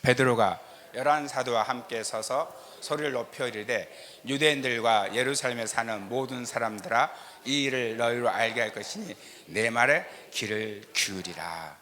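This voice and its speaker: A middle-aged Korean pastor from the south with a slight southern regional lilt, preaching a teaching sermon with scripture readings and rhetorical questions. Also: male voice, medium pitch, sharp tone. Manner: emphatic, rhetorical questions, frequent "eo" fillers. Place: church sanctuary.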